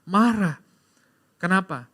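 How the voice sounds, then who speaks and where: A man preaches to his congregation. He tells a personal story with lively, emphatic stretches that drop into soft, confessional moments. His sermon is punctuated by direct calls to the listeners. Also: high-pitched, takes it slowly, breathy edge. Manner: swings from loud emphatic preaching to quiet confessional tones. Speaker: pastor. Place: church sanctuary.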